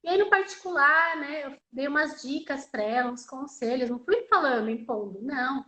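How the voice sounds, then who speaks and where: A woman's voice: high voice, normal speed, bright, forceful tone, roomy sound, poor audio. A woman interpreting live, voicing a deaf signer's personal story in the first person, in a conversational way with frequent tag questions and repeated phrases.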